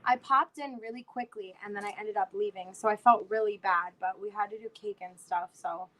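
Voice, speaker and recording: Against a noisy background, a South Florida woman in her twenties rambles through a casual livestream chat with lots of fillers. Having lost her voice, she sounds worn out and nearly voiceless, speaking fairly quickly at medium pitch with fairly even intonation.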